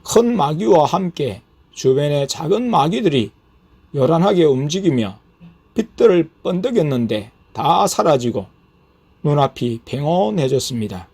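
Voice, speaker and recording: A man, a pastor, reading aloud a scripted testimony of his experiences at a steady, measured pace. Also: fairly high pitch, slightly rough.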